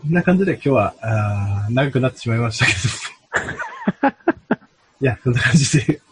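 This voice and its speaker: A man's voice: mid-range voice, animated, normal speed, noisy background. A man hosting a casual podcast chat, talking in a tired, self-deprecating, rambling way. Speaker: podcast host.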